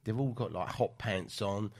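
A man's voice: lowish voice, normal speed, darkish tone. A middle-aged man with a southern English accent, chatting casually as an interview guest and telling anecdotes in a blokey, sweary way. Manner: chatty, sweary storyteller, acting out remembered exchanges. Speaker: podcast guest, event promoter and film producer.

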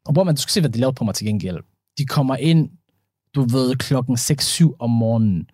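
A man's voice: mid-range voice, no room sound, clean studio sound. A man co-hosting a casual podcast chat, telling stories animatedly and dropping English slang into his talk. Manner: animated storyteller mixing English slang into speech. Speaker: podcast co-host.

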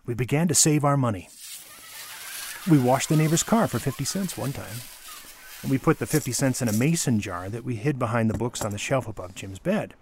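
A man reading a nostalgic memoir aloud as a storyteller, in a dramatic, measured way with deliberate pauses and emphasis. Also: medium pitch, animated, a little hiss or hum.

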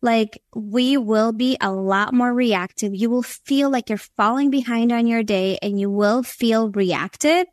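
A woman's voice: fairly high pitch, a little slow, few pauses, no room sound, studio quality. A young woman from Latvia with a Minnesota accent, a podcast guest giving earnest, encouraging advice on parenting. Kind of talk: conversational interview.

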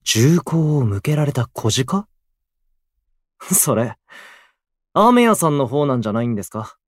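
An actor playing a gloomy, prickly, self-deprecating young station worker in a voice drama, with blunt, grumbling delivery. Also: male voice, mid-range voice, big pitch swings, measured pace, dry recording, clean studio sound. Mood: confrontational. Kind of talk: Japanese voice drama acting.

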